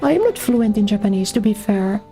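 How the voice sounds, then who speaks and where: A woman's voice: mid-range voice, lively intonation, fairly quick, mellow, faint music behind. A young woman streamer chatting casually as she plays, thinking aloud about missions and thanking subscribers. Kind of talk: casual gameplay commentary.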